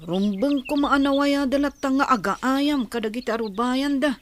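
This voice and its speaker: Woman playing a high-voiced troubled tribal woman. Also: moderate pace, lightly acted. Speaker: actress in a radio drama. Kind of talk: Ilocano radio drama acting. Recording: clear background noise with chirping birds.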